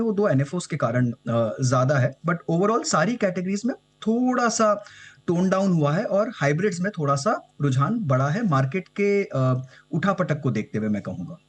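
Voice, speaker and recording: A man speaking as a financial advisor guest on a business news show, giving measured analysis and mixing English phrases into his Hindi. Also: a little high.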